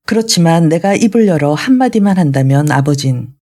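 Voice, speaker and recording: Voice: mid-range voice, animated, brisk, warm tone. A reader voicing a bitter young son. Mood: exasperated. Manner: bitter, raised voice.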